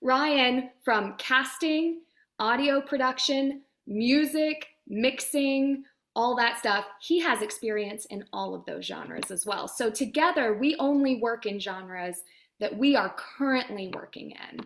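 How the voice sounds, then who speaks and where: A woman with a somewhat high voice talks as a guest in an interview. She explains conversationally and makes her points emphatically, building them in short repeated phrases. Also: takes it slowly, a bit bright. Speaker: voice actor and demo producer, interview guest.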